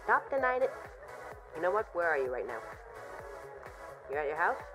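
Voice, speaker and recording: A woman playing a caring, worried best friend in an audio roleplay, speaking in an earnest, soothing, gently insistent way. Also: lowish voice, big pitch swings, normal speed, music in the background, poor audio. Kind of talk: roleplay audio drama monologue, intimate comforting.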